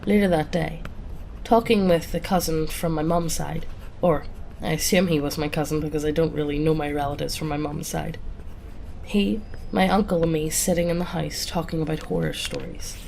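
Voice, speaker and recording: A woman with a cold reading a horror story aloud in a calm first-person voice. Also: sits low, normal speed, creaky, slight background noise, low-quality recording. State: has a cold. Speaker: narrator.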